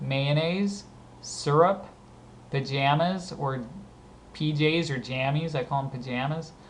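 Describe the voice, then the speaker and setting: Speaking at a fairly slow pace, a man with a Southern California accent has a fairly high, somewhat breathy voice. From US, Southern California (Orange County, San Diego). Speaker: video blogger. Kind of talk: accent tag word reading and casual explanation.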